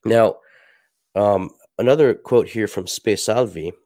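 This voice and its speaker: Low, stuffy-sounding man speaking softly. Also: dry recording. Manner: soft-spoken, halting with many fillers. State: stuffy, a little sick. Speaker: podcast host. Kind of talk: reflective solo talk and reading aloud.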